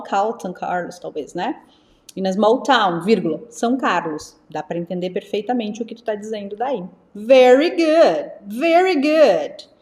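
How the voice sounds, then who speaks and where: A young woman from teaching English live, lively and repeating words slowly for her students. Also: medium pitch, roomy sound. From Brazil. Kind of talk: live online English lesson.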